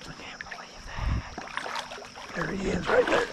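A man talking casually to viewers as he fishes a creek outdoors, excited and chatty. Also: sits high, slow pace, creaky, very noisy. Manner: excited, talks to viewers while fishing. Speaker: fishing vlogger.

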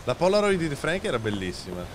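A male streamer chatting casually while playing a game, relaxed and given to casual swearing. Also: fairly high pitch, fast, background noise. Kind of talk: casual gaming chat.

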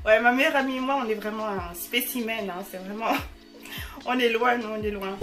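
A bubbly woman in her early twenties vlogging casually to her viewers. Her voice sits a little high and rings bright and forceful. She chats loosely, full of slangy fillers, over faint background music. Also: moderate pace. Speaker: YouTuber answering viewer messages. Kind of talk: casual chat to camera.

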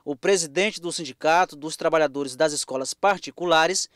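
A man narrating a scripted news report in a formal, even reading style. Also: a little high, moderate pace, no room sound, studio quality.

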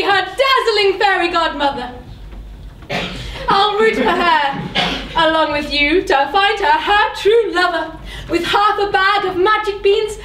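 A woman's voice: very high voice, fairly bright tone, a little hiss or hum, heavily acted. A woman playing a grandiose fairy godmother, declaiming a rhymed pantomime prologue to the audience. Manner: declamatory, projected. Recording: echoey theatre stage.

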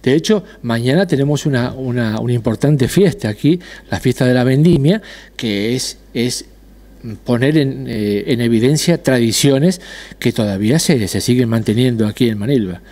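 A middle-aged man from Argentina, a restaurant owner and dentist, answering interview questions in a measured way with frequent hesitations. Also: mid-range voice, warm tone. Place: decorated restaurant patio. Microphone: handheld interviewer mic.

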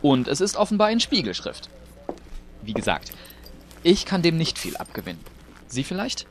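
A man's voice: on the high side, huge pitch swings, moderate pace, slight background noise. A man playing an easygoing police forensic technician in a crime audio drama, explaining in a matter-of-fact way. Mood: intrigued.

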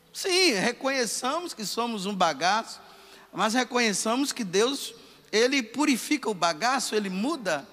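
A man, a priest, giving a lively, conversational sermon and voicing the people he quotes. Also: extremely high pitch, in a large hall.

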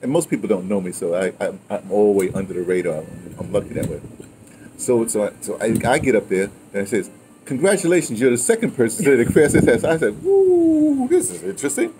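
Animated older American man telling stories. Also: mid-range voice, brisk. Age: 60s. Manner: animated, digressive storyteller. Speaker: host of an audio memoir channel. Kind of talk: casual storytelling chat. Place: outdoors on a patio in daylight. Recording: outdoor ambient noise.

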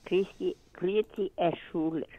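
A woman's voice: on the low side, steady tone, moderate pace, no echo. Older woman caller on a tinny phone line. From Italy. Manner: polite, earnest. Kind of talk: phoned-in question.

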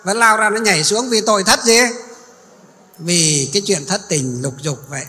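High bright-voiced monk preaching in a hall. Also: male voice, normal speed. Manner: asks the audience questions and answers them himself. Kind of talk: sermon. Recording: long reverb in a hall.

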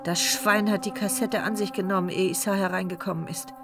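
A woman's voice: medium pitch, fairly even intonation, brisk, close to an everyday voice. An actress voicing the wounded, frightened narrator and heroine of a radio play, speaking her intense inner monologue over music. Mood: tense. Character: injured woman narrator, frightened and desperate. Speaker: first-person narrator and heroine.

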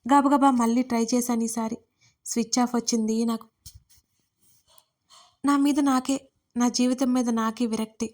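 A woman's voice: on the high side, steady tone, moderate pace, long pauses, a little mellow. Emotional woman narrating a love story. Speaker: writer and narrator. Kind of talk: first-person audio story narration.

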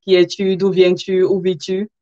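A woman's voice: lowish voice, completely flat delivery, normal speed, mellow, dry recording. A woman hosting a live interview show, chatting informally with viewers and sounding a little tired. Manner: informal, chuckles between phrases, addresses viewers directly. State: somewhat tired. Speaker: live interview host, sewing content creator. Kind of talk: casual livestream chat with viewers. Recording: dull, lo-fi livestream audio.

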